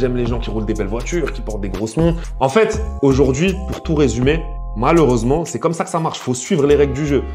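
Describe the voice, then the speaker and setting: A man's voice: medium pitch, a little mellow. A young man in his twenties talking to the camera in a vlog, boastful and self-assured, speaking straight to his viewers. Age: 20s. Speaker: influencer and investor. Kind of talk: direct-to-camera vlog monologue.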